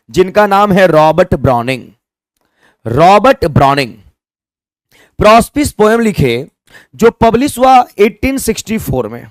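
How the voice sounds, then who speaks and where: A man with an Indian accent leads a live online English lesson in a mix of Hindi and English. His voice sits high and swings widely in pitch as he spells terms letter by letter. The sound is dry and close, with no room around it. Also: no echo. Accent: Indian, Hindi-speaking. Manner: mixes Hindi and English, asks viewers to comment answers. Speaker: English teacher. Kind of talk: live online exam-prep class.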